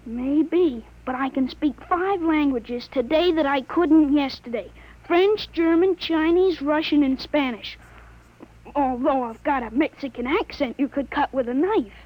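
Casting: boy of thirteen, high voice, grown-up precise diction, matter-of-fact. Vintage radio play, dull lo-fi sound. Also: measured pace. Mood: assured, explanatory. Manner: articulate, precise, adult vocabulary. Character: thirteen-year-old boy with a 43-year-old man's mind, precocious, matter-of-fact. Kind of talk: 1950s radio drama acting. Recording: dull, lo-fi old radio broadcast.

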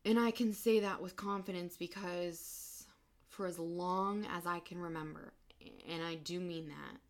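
A young woman talks straight into her podcast mic. Her voice sits low and has a gravelly fry. She speaks in a halting, emotional way, close to tears, and often pauses between phrases. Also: fairly even intonation. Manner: emotional, halting, soft-spoken. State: tearful. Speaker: podcast host. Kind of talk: personal podcast monologue.

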